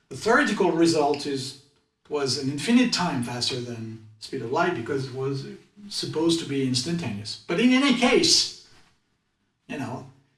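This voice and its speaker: A fairly high-pitched man talks at a moderate pace, with very wide pitch swings and big swings in loudness. Room echo is audible. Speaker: science educator. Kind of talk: explanatory lecture. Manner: hesitant, many fillers (you know, uh); animated, enthusiastic.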